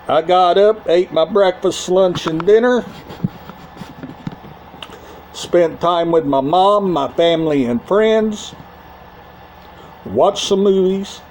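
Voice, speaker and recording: Slow, high-pitched man with halting delivery. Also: mellow, slight background noise, low-quality recording. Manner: repetitive, halting short phrases. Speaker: YouTube channel host. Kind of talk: casual talk to camera about a media collection.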